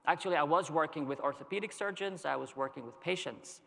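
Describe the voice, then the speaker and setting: A man from Lebanon giving a conference keynote, telling a story in a measured way with dramatic pauses. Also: a little high, creaky, a bit bright. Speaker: keynote speaker. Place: large conference hall. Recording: long reverb of a large hall.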